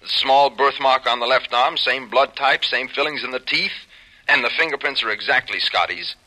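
A man acting a grave, matter-of-fact security chief in a 1950s radio drama, speaking in a measured, authoritative way. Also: medium pitch, sharp tone, low-quality recording.

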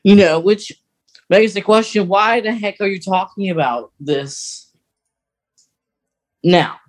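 A man's voice: sits high, slow. A man co-hosting a podcast in casual, chatty conversation, explaining things like an enthusiast. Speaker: podcast co-host. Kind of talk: casual chat.

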